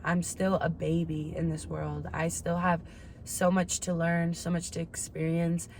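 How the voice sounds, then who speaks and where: A woman in her twenties talking candidly in a casual confessional chat, slangy and swearing freely. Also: lowish voice. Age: 20s. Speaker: vlogger. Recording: clear background ambient noise.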